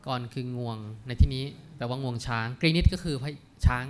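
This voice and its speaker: A man's voice: medium pitch, a little hiss or hum. Thai man reciting and explaining old verse. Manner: recites verse slowly, then explains words with polite particles. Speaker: academic panelist.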